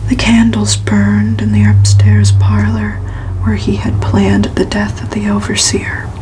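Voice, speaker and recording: A woman reads a gothic novel aloud for ASMR in a soft, hushed whisper, narrating evenly. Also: medium pitch, slight background noise, rough recording. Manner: slow, hushed, even narration. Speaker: ASMR reader.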